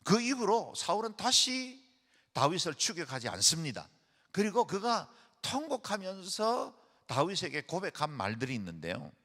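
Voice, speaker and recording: A man preaching from the pulpit in an earnest, emphatic way. His pitch swings widely as he presses his points. The voice carries a long reverb from the church sanctuary. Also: wildly swooping pitch, moderate pace, bright, forceful tone. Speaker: pastor. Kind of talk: sermon.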